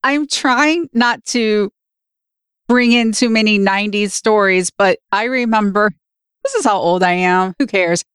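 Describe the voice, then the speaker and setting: A woman's voice: mid-range voice, a little slow, fairly bright tone, clean tone, dry recording, clean studio sound. A woman in her forties co-hosting a podcast in casual chat, rambling and correcting herself as she tells stories. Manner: rambling, self-correcting storyteller. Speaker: podcast co-host.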